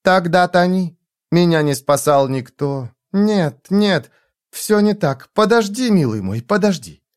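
A man's voice: high voice, animated, measured pace, clear, resonant tone, pitched above the performer's own voice. A man voicing a blind, proud, vengeful young woman in a dramatic audiobook reading, with an intense, defiant delivery.

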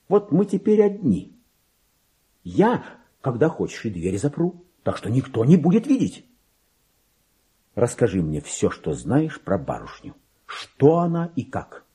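An actor playing an excitable, self-important, paranoid petty clerk in a theatrical radio monologue, with a husky voice and volatile delivery that swings between confiding and outbursts. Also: male voice, fairly low pitch, heavily acted. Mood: conspiratorial coaxing. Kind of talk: dramatic monologue reading in a radio play.

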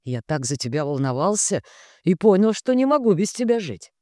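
A woman voicing a smug, hypocritical husband who talks in a smooth, placating, condescending way. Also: lowish voice, very animated, moderate pace, darkish tone, no room sound, clean studio sound, voice pushed up.

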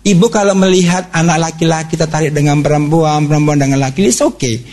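A man with a slightly high voice holds a parenting seminar for mothers. He tells family anecdotes with lively energy and keeps turning to the audience as if chatting with them. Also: fast talker. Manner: lively storytelling, acts out family dialogue; conversational, addresses audience directly. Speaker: parenting speaker.

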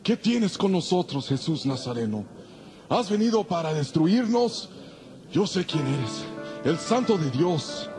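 High, shrieking demon. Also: male voice, sing-song. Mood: frightened, defiant. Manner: shouting, drawn-out cries. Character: tormented demon spirit shrieking in fear and defiance. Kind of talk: dramatized audio Bible acting. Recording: music behind the voice.

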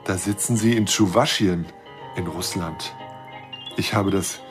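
An actor playing a lonely, shy, trusting astronomer in an intimate radio drama monologue, speaking haltingly and earnestly. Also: male voice, low-pitched, over music. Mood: earnest, tentative.

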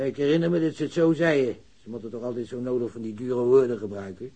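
Husky, worried old grandfather. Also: fairly low pitch, dark tone. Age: older. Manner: plain-spoken, grumbling. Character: worried, aggrieved old working-class grandfather. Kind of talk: radio drama dialogue.

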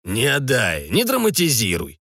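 A man voicing a stout older father who lectures his family in a measured way. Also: medium pitch, huge pitch swings, bright, forceful tone, no echo, clean studio sound, full character voice. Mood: reproachful.

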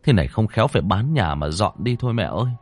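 A man's voice: lowish voice, sing-song, moderate pace, warm tone, husky, dry recording, soft background music, full character voice. A man doing a stammering terrified young husband. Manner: stammering, panicked whispers.

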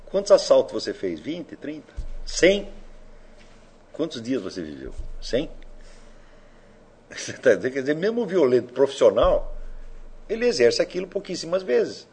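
A man's voice: mid-range voice, big pitch swings, moderate pace, pauses often, darkish tone, breathy edge. A man giving an informal lecture, provoking his listeners with rhetorical questions and casual swearing.

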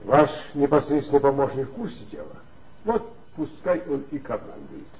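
A diplomatic police superior in a 1960s radio play. He gives orders in a measured way, and his intonation rises and falls a great deal. The old recording sounds dull. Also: mid-range voice, wildly swooping pitch, slight background noise.

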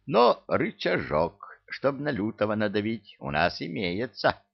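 A man voicing a gruff, sullen male henchman in an audiobook reading. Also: lowish voice, very animated, measured pace, muffled recording, full character voice. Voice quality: gruff, terse.

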